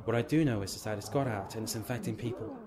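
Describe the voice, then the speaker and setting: A man's voice: lowish voice, fast, close to an everyday voice. A man playing a curt, grave soldier explaining a zombie outbreak in an audio drama. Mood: grave, insistent. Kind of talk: amateur audio drama acting. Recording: noisy amateur recording.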